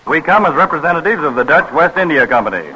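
An actor playing a cautious Dutch counselor in an old radio drama, speaking in a measured, diplomatic way. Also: male voice, a little high, lively intonation, sharp tone, slight background noise, poor audio. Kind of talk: 1930s radio acting.

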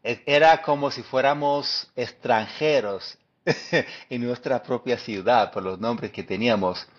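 A man from Detroit with an American English accent, a guest speaking Spanish as a second language, pausing and restarting often as he recounts. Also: mid-range voice, muffled recording. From Detroit, United States. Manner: thoughtful, halting, many fillers and restarts. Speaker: guest historian. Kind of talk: interview conversation.

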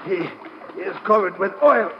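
Anxious, formal foreign sidekick, high-pitched, for an old radio adventure with faint hiss. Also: male voice, unhurried. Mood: relieved, puzzled. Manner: formal, uncontracted phrasing, excitable. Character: anxious, earnest foreign male ally of the agent. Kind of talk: 1950s radio drama acting. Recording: muffled, noisy vintage radio recording.

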